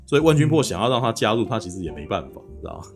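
Guy on a podcast, fast chatty recap, voice bounces all over, keeps saying "you know?". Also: fairly low pitch, creaky, faint music behind. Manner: animated storytelling, keeps asking "you know?". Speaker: podcast host. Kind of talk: casual plot recap.

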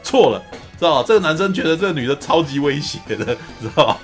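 A man hosting a podcast, recapping a film in a lively, casual storytelling way. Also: fairly high pitch, quick pace, faint music behind. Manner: animated storyteller, often acts out quotes. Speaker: podcast host.

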